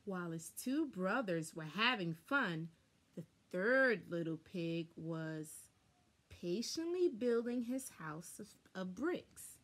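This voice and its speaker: A young adult woman reading a children's story aloud expressively, with deliberate, dramatic emphasis, recorded indoors on a camera a short distance away. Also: medium pitch, big pitch swings. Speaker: storybook reader. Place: small furnished room indoors.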